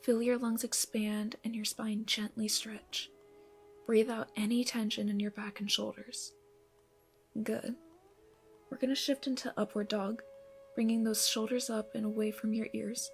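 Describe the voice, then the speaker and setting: A woman playing a gentle, encouraging yoga instructor in an ASMR roleplay, giving soothing, breathy instructions that often soften toward a whisper. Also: fairly high pitch, flat delivery, unhurried, faint music behind. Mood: calm, encouraging. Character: gentle, encouraging female yoga instructor leading a morning class.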